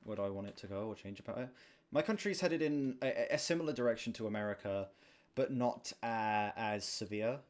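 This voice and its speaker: Talking candidly to his stream audience, this young gaming livestreamer uses a projected voice he calls monotone and drops the occasional swear. He speaks briskly in a lowish register, with keyboard typing and clicks clearly audible behind him.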